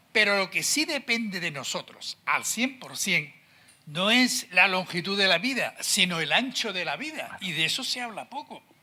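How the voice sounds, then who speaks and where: A man with a high pitch speaks in a raised, projected voice at a fairly slow pace. His tone is bright and sharp, and his pitch swings very widely. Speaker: audience member, doctor. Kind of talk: audience comment at lecture. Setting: lecture hall with audience.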